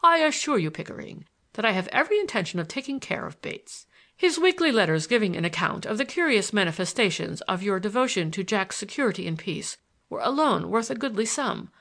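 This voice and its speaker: Woman voicing an animated, teasing old grandfather. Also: medium pitch, a little fast. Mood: gleeful. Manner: grandly courteous, teasing, theatrical. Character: genial, sly old grandfather, relishing his surprise. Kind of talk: audiobook character dialogue.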